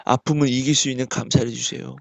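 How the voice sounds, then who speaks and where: Gravelly man in fervent prayer. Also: mid-range voice, little pitch movement, fast talker, no echo, highs cut off. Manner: fervent, pleading, repeating petitions. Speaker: pastor praying over a sick church member. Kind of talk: intercessory prayer.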